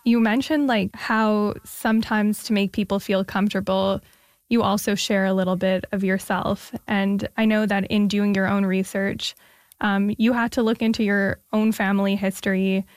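A woman's voice: medium pitch, little pitch movement, normal speed, no room sound, clean studio sound. A woman host interviewing a guest in a friendly, conversational way. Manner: friendly, conversational with some fillers. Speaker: radio host.

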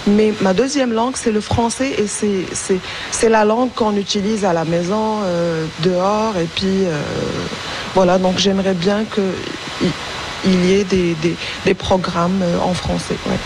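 A woman's voice: mid-range voice, fairly even intonation, unhurried, background noise. A young woman whose first language is Arabic, answering radio interview questions hesitantly with many fillers and restarts. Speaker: interview guest, school support worker.

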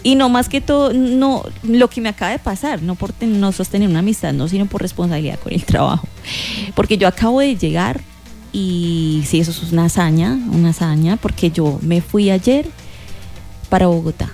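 A woman's voice: fairly low pitch, normal speed, soft background music. A woman co-hosting a morning radio show, speaking in an encouraging way about blessings and good wishes. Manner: warm, uplifting, speaks of blessings. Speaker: radio co-host. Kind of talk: casual morning radio chat.

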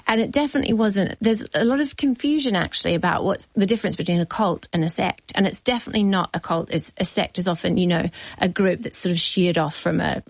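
This is a New woman in her forties, a novelist answering interview questions. She sounds effusive and searching, wandering through asides as she thinks. Her voice sits fairly low and the sound is dry and close. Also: quick pace, creaky, hardly any pauses, dry recording, low-quality recording. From New Zealand. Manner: warm, effusive, thinks aloud with many asides. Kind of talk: reflective radio interview.

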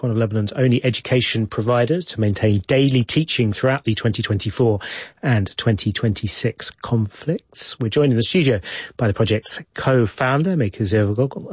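A man presenting news on the radio from a studio, measured and courteous as he interviews guests. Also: medium pitch, darkish tone, husky, no room sound.

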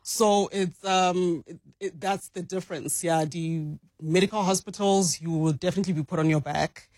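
A man's voice: high-pitched, fairly even intonation, moderate pace, a little mellow, no echo. A man with a South African accent, a guest on a radio show, explaining earnestly and slipping in Setswana words. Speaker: doula, studio guest. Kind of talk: radio interview. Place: radio studio.

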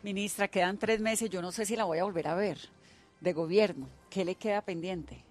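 A woman's voice: medium pitch, moderate pace, darkish tone. A woman radio journalist, hosting an interview in an effusive, chatty, gushing way.

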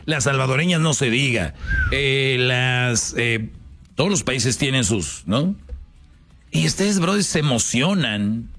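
A man's voice: mid-range voice, animated, takes it slowly, over music. A man with a Mexican accent giving casual commentary as a show host, slangy and lecturing, with hesitant restarts.

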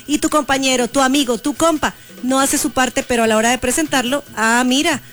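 High-voiced chatty woman radio host. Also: a little fast, fairly bright tone. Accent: Mexico City Spanish. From Colombia. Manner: playful, chatty, addresses listeners directly. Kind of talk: lively morning radio chat.

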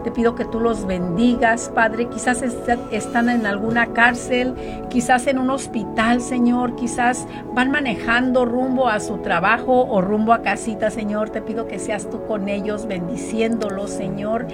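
A woman hosts a Christian radio show, with soft music playing faintly behind her. She talks casually and leads fervent prayers, full of fillers and repeated calls to the Lord. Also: a little high, steady tone, measured pace. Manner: fervent praying, many fillers.

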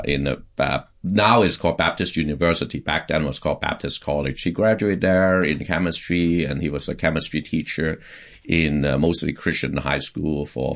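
A man from Hong Kong with a very low, deep voice, talking in a relaxed interview. He speaks haltingly, full of "uh" and restarts, as he recalls his family and childhood. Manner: hesitant, many fillers and restarts. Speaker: pastor, podcast guest. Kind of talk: casual conversational interview.

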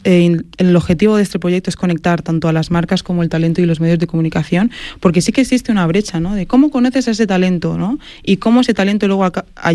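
A woman's voice: on the low side, dark tone, no room sound, clean studio sound. A woman from Madrid, a guest in a casual interview, talking earnestly with many fillers and self-corrections. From Madrid, Spain. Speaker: guest, sports marketing agency founder.

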